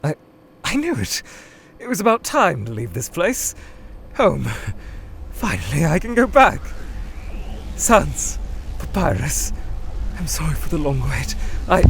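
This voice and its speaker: A formal, anxious skeleton scientist, voiced by a man in a fan audio drama. He speaks in measured, proper sentences with a pitch that swings widely. Music plays behind him. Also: vocal fry, exaggerated voice. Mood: desperate. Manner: measured, formal speech that turns frantic and pleading.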